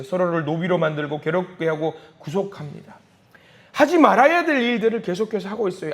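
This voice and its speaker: A man preaching a dawn sermon as pastor, telling a story animatedly and acting out its voices. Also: fairly high pitch. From South Korea.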